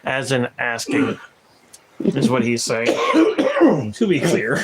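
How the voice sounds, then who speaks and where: A man's voice: mid-range voice, huge pitch swings, drawn-out words, a loud crowd. A young man from Oregon hosting a casual family chat, rambling with fillers and frequent laughter. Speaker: host.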